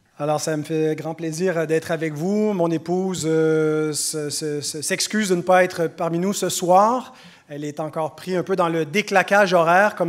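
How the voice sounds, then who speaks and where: This man speaks with a Quebec accent at a high pitch. His pace is moderate and his intonation fairly even. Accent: Québécois. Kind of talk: formal speech to an audience.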